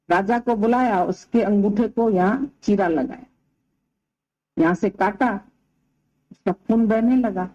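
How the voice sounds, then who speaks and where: Slow-spoken woman spiritual teacher telling a story. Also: medium pitch, warm tone, dull audio. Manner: unhurried folksy storytelling with quoted dialogue. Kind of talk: storytelling discourse at a satsang.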